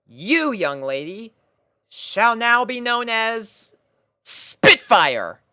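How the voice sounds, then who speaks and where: A storyteller voicing a brash, caring, excitable cartoon pegasus pony mare with emphatic, drawn-out announcements. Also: mid-range voice, clear, resonant tone, no room sound, clean studio sound, pitched above the performer's own voice, full character voice. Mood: proud, announcing.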